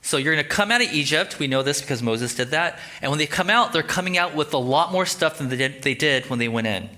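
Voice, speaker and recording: A man pastor giving a conversational, animated sermon and acting out quoted voices in a church. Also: a little high, quick pace. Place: church sanctuary.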